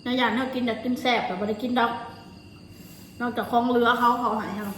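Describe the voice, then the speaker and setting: Higher-pitched Isan woman, chatting while chewing. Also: steady tone, quick pace, fairly bright tone. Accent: Isan, northeastern Thai. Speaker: vlogger. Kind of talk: casual chat, recounting personal stories. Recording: roomy echo, faint noise, insects.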